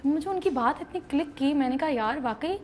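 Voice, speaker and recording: A young woman with a Pakistani accent, an actress guest in an interview, telling a story in a lively way and acting out the dialogue. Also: high-pitched. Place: interview set.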